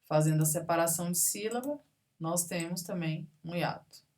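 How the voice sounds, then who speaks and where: A woman's voice: lowish voice, moderate pace, darkish tone. A woman teaching a grammar lesson, patiently going through examples one word at a time and checking in with her students. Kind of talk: recorded classroom grammar lesson.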